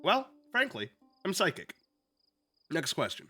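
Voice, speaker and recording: Sniffly young man, bright and animated. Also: a little high, a little slow, faint music behind. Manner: loose, joking, swears freely, lots of fillers. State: sniffly, still a little sick. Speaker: streamer reading a book aloud. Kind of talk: casual livestream chat and book reading. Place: at home with his dog.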